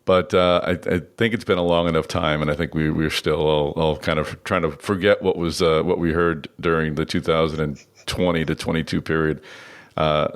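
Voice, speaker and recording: Male podcast host, very low gravelly voice, loose rambling delivery with frequent restarts. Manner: rambling, restarts often with filler words. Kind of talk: conversational podcast interview.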